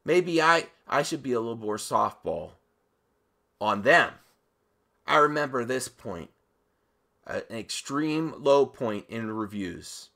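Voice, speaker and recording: Bright, forceful man ranting deliberately. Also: mid-range voice, animated, vocal fry. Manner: emphatic, with dramatic pauses and repeated phrases. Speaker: host of a movie commentary channel. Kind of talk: opinionated video commentary rant.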